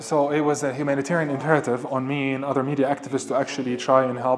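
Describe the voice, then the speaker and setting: In an Arabic accent, a man with a medium pitch speaks very fast in a flat monotone. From Syria. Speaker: activist. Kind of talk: panel discussion. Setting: stage with audience.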